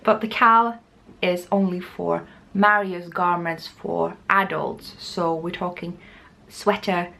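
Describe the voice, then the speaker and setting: Creaky-voiced woman chatting casually. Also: lowish voice, fairly even intonation, slow, pushed and bright. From Norway. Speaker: knitting podcast host. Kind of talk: casual chat to camera.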